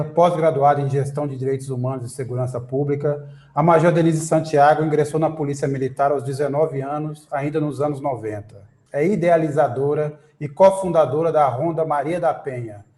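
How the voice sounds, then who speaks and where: A man's voice: mid-range voice, dark tone. A man hosting a political interview, reading a scripted introduction and then asking long questions with many fillers. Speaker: interview host. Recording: echoey room.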